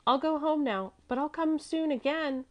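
A woman's voice: high-pitched, normal speed, dull audio, voice pushed up, natural voice. A woman voicing a chatty, trusting little girl who prattles eagerly in a children's storybook. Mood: friendly, sympathetic.

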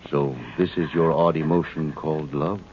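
Emotionless alien villain, deep, clinical, detached, 1950s radio drama, faintly hissy narrow recording. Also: male voice, steady tone, normal speed. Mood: cold, scornful. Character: cold emotionless alien villain scientist, male.

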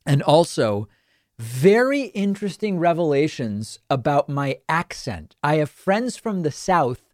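A northern US man hosts a political talk show, delivering quick, forceful, sarcastic commentary into a studio mic. His voice sits a bit high with large pitch swings, and there's no echo.

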